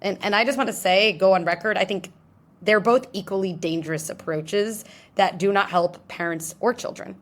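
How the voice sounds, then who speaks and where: A woman being interviewed, explaining ideas in an animated way and acting out little scenarios in different voices. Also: medium pitch, moderate pace. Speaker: guest psychologist. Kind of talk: interview answers.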